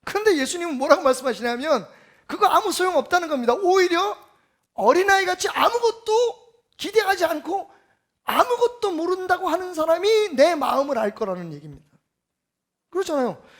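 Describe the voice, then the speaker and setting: A man giving a Sunday sermon as pastor, emphatic and full of rhetorical questions, swinging between loud and soft. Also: very high voice, expressive, brisk.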